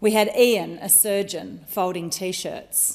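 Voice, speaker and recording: A woman speaks, keeping her intonation fairly even. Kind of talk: formal first speech. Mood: warm, emotional gratitude. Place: hall. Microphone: podium.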